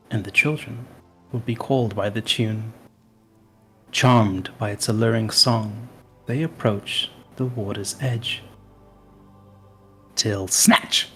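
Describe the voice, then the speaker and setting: A man in a tabletop game session tells a dark legend in character. His low voice moves slowly and dramatically, leaning into the ominous moments, with faint music underneath. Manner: slow, dramatic, ominous storyteller delivery. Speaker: player.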